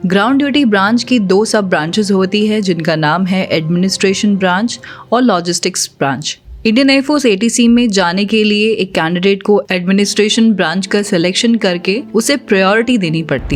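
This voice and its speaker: A woman presenting a scripted informational video, speaking in a steady, informative way with many English terms mixed in. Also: mid-range voice. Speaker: channel presenter. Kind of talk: scripted explainer narration.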